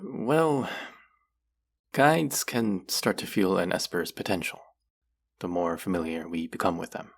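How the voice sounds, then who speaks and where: A voice actor playing a caring but gently stern clinic guide in a roleplay audio drama, soft-spoken and concerned, talking straight to a patient. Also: low voice, creaky, exaggerated voice. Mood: patient, explaining. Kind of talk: roleplay audio drama, speaking softly to the listener.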